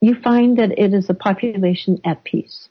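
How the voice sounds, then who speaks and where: A woman's somewhat breathy voice of medium pitch, with fairly even intonation. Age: 60s. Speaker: activist running an advocacy website. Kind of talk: interview.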